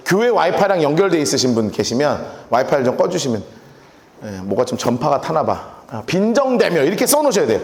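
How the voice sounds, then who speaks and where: A man preaching a sermon in a church, animated and playful as he acts out scenes. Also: medium pitch, fast. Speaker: pastor. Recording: echoey church hall.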